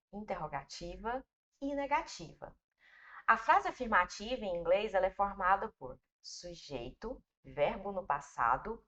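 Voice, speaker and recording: Speaking slowly, a Brazilian woman teaches English grammar step by step, addressing students casually and patiently repeating herself. Her voice is medium-pitched with a fairly bright tone, and the recording is dull and lo-fi.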